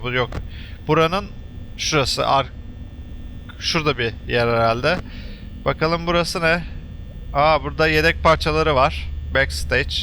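A man talking through a horror game he is playing, joking to himself and yelling when scared. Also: fairly high pitch, a little hiss or hum. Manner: chatty, jokey, shouts and curses when startled. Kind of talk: let's play commentary.

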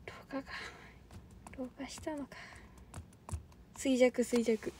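High-voiced chatty Kansai young woman. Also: steady tone, slow, darkish tone, a little hiss or hum. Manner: rambling, chatty, laughs often. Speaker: idol trainee livestreamer. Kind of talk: casual livestream chat.

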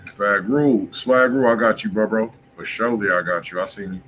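Brief: very deep male host, crisp forceful edge, relaxed slangy chat, faint room hum. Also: fairly quick. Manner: laid-back, slangy, agreeable. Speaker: music review stream host. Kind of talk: casual live stream chat.

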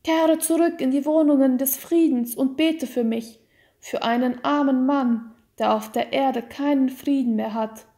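A woman's voice: sits high, unhurried, dark tone. A woman voicing an anguished, remorseful count in a storybook, in an impassioned, pleading, exclamatory manner. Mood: horrified, pleading. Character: anguished, guilt-stricken count, adult man, horrified and remorseful. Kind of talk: dramatic storybook reading.

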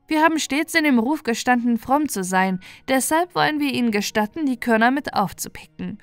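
A woman's voice: sits high, animated, a little fast, clean tone, no room sound, voice pushed up. A woman voicing a vain, bossy old mother pigeon in a storybook, cooing and repeating her commands. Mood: bossy, condescending.

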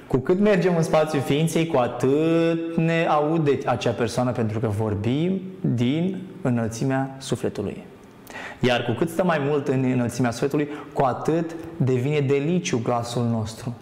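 A man's voice: medium pitch, darkish tone, roomy sound. A man as a guest on a TV talk show, speaking earnestly about spirituality and hesitating with many fillers. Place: TV studio.

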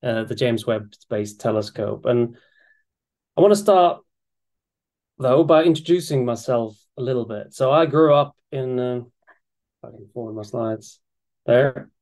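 Middle-aged man from Sweden, lecturer on a video call, chatty and enthusiastic, mid-pitched voice. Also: measured pace, pauses often, darkish tone. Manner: enthusiastic, conversational, with frequent restarts and fillers. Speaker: astrophysics lecturer. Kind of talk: public science lecture. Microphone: webcam or desk mic on a video call.

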